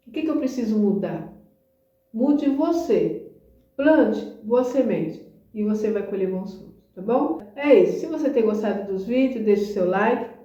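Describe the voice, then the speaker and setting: Brazilian woman vlogger, earnest coaxing advice, warm dark tone, distant echoey dull recording. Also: a little high. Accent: Brazilian Portuguese. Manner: earnest, coaxing, asks the viewer questions. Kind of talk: casual advice talk to camera.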